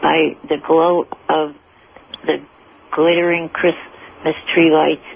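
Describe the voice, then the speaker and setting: Slow, very creaky man on tinny line. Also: fairly high pitch. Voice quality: creaky, gravelly. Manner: slow, halting, flat delivery. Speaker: show guest, amateur writer. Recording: tinny phone-like line with hiss.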